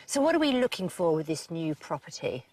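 A woman's voice: sits low, sing-song, brisk, darkish tone, no echo. Upbeat woman presenter outdoors. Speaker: TV property show presenter. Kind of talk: presenting to camera. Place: outdoors on open countryside.

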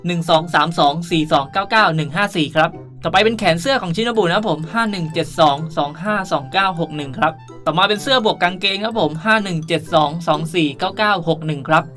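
A young man speaks in a bright, forward voice as a gaming channel host. He rambles playfully through a casual tutorial, with faint music behind him. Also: on the high side. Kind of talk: casual game tutorial commentary.

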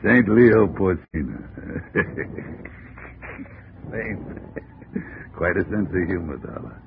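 An actor playing a smooth, sly gangster boss with an amused drawl in a 1940s radio detective drama. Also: male voice, low-pitched, lively intonation, extremely slow, exaggerated voice. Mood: sly amusement. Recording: muffled old radio recording, faint noise.

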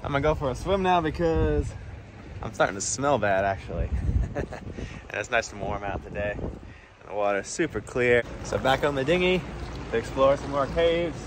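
Outdoors on a small sailboat at sea, a man in his thirties narrates a casual vlog like a solo sailor filming himself, chatting easily. His voice is medium-pitched at a moderate pace, and engine and water noise from the boat fill the background.

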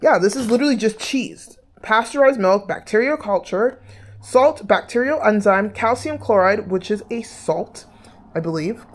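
A woman's voice: medium pitch, lively intonation, normal speed. A woman in her thirties, from Canada, chatting emphatically and with strong opinions in a casual grocery haul vlog filmed at home with a handheld camera. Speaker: vlogger. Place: small living room at home. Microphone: camera at arm's length.

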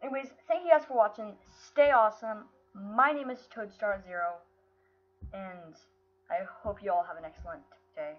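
A woman's voice: mid-range voice, normal speed, a little hiss or hum. A woman hosting her own channel, talking casually while she plays a game, her voice worn by sickness and often frustrated. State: sick, voice affected. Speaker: gaming channel host. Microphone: built-in mic, no headset. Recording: dull lo-fi built-in mic.

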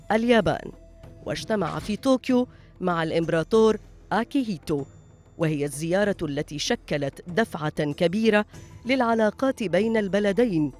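A narrator reading a scripted documentary voice-over in a formal, rapid manner. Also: mid-range voice, darkish tone.

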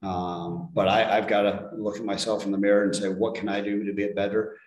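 Brief: middle-aged male coach, low steady voice, flat delivery, roomy press-room sound. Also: a little fast. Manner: plain-spoken, repeats words when restarting. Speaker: head football coach. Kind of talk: post-game press conference.

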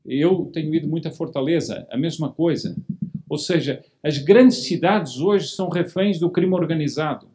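A middle-aged man delivers a formal speech at a podium in an indoor hall. He talks in a fairly high voice, firing off rhetorical questions and hammering key words through repetition. The sound comes through a podium microphone. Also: normal speed, warm tone. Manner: emphatic, rhetorical questions, repeats words for stress. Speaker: lecturer at a monarchist meeting.

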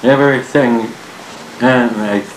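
A middle-aged man taking part in a study, repeating sentences and chatting in a slow, carefully articulated way. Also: medium pitch, fairly even intonation. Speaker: research participant. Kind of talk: repeating sentences and casual chat. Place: small lab room indoors. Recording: echoey room, faint tape hiss.

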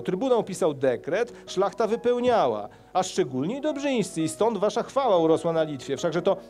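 A man's voice: sits high, dark tone, pitched above the performer's own voice. A man doing a fiery old servant rousing a crowd. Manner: impassioned rabble-rousing oratory. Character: old male noble servant, fiery and vengeful. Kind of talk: dramatic poetry reading.

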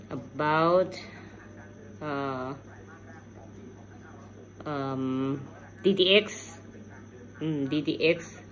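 A middle-aged woman with a Thai accent records an informal video message on her phone at home. Her voice is low, and she speaks extremely slowly, hesitating as she hunts for words in learner's English. Clear background noise runs behind her. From Thailand. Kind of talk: unscripted spoken video message. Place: room at home, indoors. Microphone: phone at arm's length.

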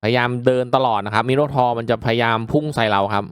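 A man giving casual, reactive commentary as he hosts a mobile game playthrough, chatting politely to viewers with excitable exclamations. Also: mid-range voice, quick pace, clear, resonant tone, dry recording, studio quality. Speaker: gaming video host.

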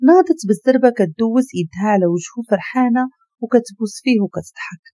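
A woman with a Moroccan Arabic accent narrating a dramatic story with a brisk, expressive reading. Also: fairly high pitch, no echo.

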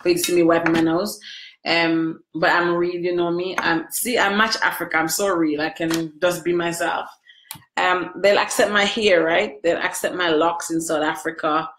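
A middle-aged woman, sniffly after crying, hosts a casual livestream from a small, echoey room at home, answering viewers and addressing them by name in a chatty, emotional way. Her lower voice has fairly even intonation, a moderate pace, and a fairly bright tone, picked up by a webcam at close range.

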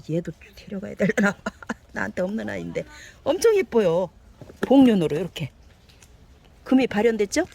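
A woman giving a cheerful live sales pitch for succulent plants, gushing and exclaiming over each one and chatting aloud to herself. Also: a little mellow, slight background noise. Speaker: succulent seller.

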